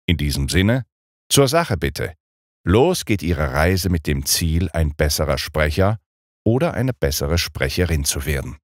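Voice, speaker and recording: A middle-aged man, a former singer turned audiobook narrator, reading a speech lesson in a clear, deliberate and precisely stressed way. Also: rumbling low, big pitch swings, no echo, clean studio sound.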